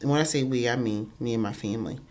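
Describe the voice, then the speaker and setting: A woman's voice: very deep voice, quick pace, darkish tone. A woman vlogger talking earnestly into her phone, stuffy-nosed and congested, with lots of ums and repeated words. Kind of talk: casual motivational talk to camera.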